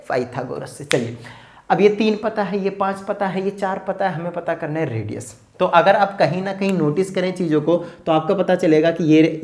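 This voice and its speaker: A man's voice: on the high side, a little mellow. A man teaching a maths lesson at speed, often asking the students whether they follow. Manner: fast-talking, asks rhetorical check questions.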